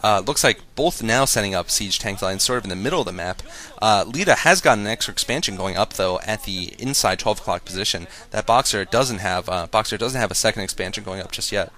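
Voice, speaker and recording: A man with a fairly low but bright, forceful voice commentates a strategy game. He follows the play as it unfolds and explains the tactics in an analytical way. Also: lively intonation, fairly quick. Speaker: esports commentator.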